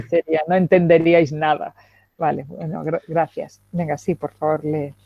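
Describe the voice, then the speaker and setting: A woman's voice: deep voice, level tone, unhurried, gravelly, warm tone, no room sound. Woman lecturing hesitantly over lo-fi call. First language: Spanish. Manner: hesitant, many fillers and checking questions. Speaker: guest lecturer. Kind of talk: academic lecture with questions. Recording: dull lo-fi video call audio.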